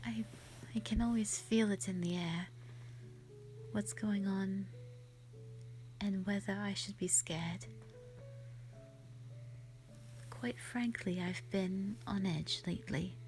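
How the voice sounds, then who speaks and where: A woman acts out a kindly, lonely white dragoness from an audio roleplay. The voice is mellow and whispery, moving slowly and carefully with sweet, formal reassurance. Music plays behind it. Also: mid-range voice, steady tone, lightly acted. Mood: pensive, uneasy. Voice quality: soft, breathy, often whispery. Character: gentle, lonely female white dragon, kind to humans. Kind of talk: roleplay audio drama, addressing the listener.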